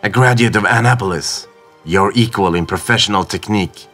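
A man's voice: lowish voice, brisk, a bit bright, soft background music. A man voicing a defiant, bitter educated sailor who speaks with impassioned indignation, in a storybook reading. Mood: impassioned defiance.

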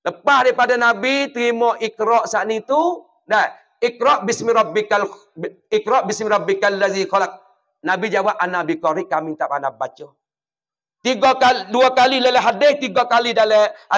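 A man from southern Thailand, preaching a sermon as a religious teacher and telling stories that swing between loud and hushed. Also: very high-pitched, fairly quick.

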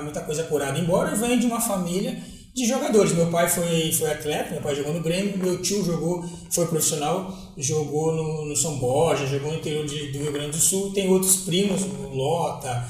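A man in his forties with a Gaúcho accent, speaking earnestly and reflectively. His voice sits a little high for a man. It rings through a very echoey room and sounds picked up from some distance. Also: darkish tone. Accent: Gaúcho Brazilian Portuguese. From Porto Alegre, southern Brazil. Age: 40s. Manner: reflective, earnest, with many restarts. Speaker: guest, former footballer. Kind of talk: relaxed interview storytelling. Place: small studio with green set. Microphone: lapel mic. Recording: very echoey room, voice heard from afar.

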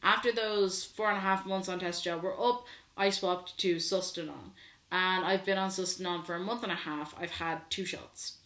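A sixteen-year-old trans man vlogs a casual update into his laptop camera from a small, echoey bedroom, talking candidly and using lots of fillers. His voice sits high, with fairly even intonation and a normal pace, and it sounds pushed and bright.

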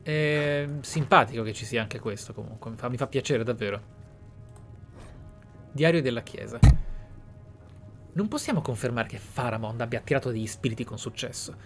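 A man from Italy reading and commenting on a video game in a measured, musing way. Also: medium pitch, music in the background. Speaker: gameplay streamer. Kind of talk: reading game texts aloud and roleplay commentary.

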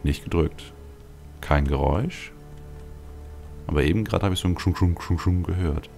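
A man with a very deep voice full of vocal fry talks through a video game. He rambles casually, thinking aloud as he plays. Game music runs clearly behind him. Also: normal speed, darkish tone. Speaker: let's play host. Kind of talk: casual gameplay commentary.

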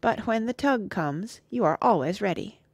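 A woman voicing a gentle, loving middle-aged mother in an audiobook, soft-spoken and tender. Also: mid-range voice, expressive, normal speed, no echo, clean studio sound, natural voice. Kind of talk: audiobook reading.

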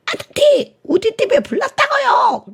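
A lisping little child in a panic. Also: female voice, extremely high pitch, big pitch swings, measured pace, gravelly, voice pushed up, exaggerated voice. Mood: frantic. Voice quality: heavy lisp, baby talk.

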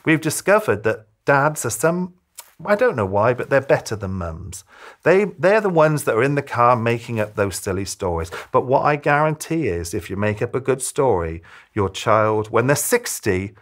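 Guy in his 50s giving tips to camera, really animated ups and downs, emphatic storyteller delivery with pauses. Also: fairly low pitch. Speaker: children's author giving reading tips to parents. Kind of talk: direct-to-camera advice talk, presentational. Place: small furnished room, indoors.

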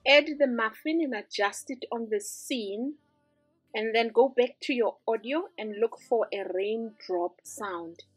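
A woman with a somewhat high, breathy voice talks through a design tutorial step by step. Her delivery is upbeat and instructive. The voice-over sounds dry and close, with soft music faintly behind it. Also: a little slow, dry recording. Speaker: tutorial host. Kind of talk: screen-recorded design tutorial.

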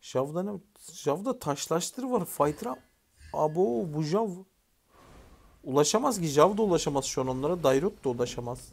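A man commentating his own mobile game match, chatting casually, swearing lightly and shouting orders at teammates. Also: on the high side, animated, normal speed, vocal fry, breathy edge. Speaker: gaming YouTuber. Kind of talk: live gameplay commentary.

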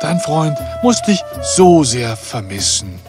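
A man playing a gentle, wise old teacher in an animated fairy tale, solemn and drawn-out. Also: fairly high pitch, over music.

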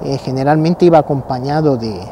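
A man in his sixties, a channel host, seated in sunny pine woods, explaining his gear to the camera in a halting way, with fillers and repeated words. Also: medium pitch. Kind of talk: casual outdoor gear talk to camera. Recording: noisy outdoor recording.

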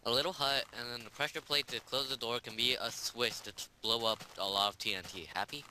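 Bright-voiced man joking through a game. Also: medium pitch, steady tone, a little fast, slight background noise. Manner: joking, teasing, playful. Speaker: co-player. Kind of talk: casual gaming chat.

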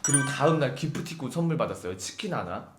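A man's voice: mid-range voice, lively intonation, quick pace, reverberant, music in the background. A young man telling a comic story about his past job, acting out both sides of phone calls and swearing freely.

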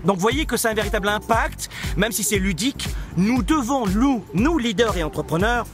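A man in his forties speaks in a high, lively voice that swings widely in pitch. He delivers a motivational talk to camera like a coach, stressing and repeating key phrases. He is recorded outdoors, with music behind him. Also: normal speed. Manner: emphatic, rhetorical questions, repeats key phrases. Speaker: coach and company founder. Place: outdoors in a park. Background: background music.

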